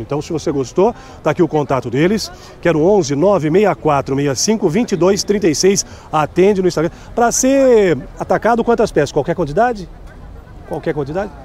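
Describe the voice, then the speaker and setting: A man's voice: high voice, expressive, normal speed, darkish tone. A middle-aged man, vlogging a tour of a street market at night and chattily promoting clothes and prices. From Brazil. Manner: chatty and promotional, keeps asking vendors prices. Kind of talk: upbeat sales walkthrough.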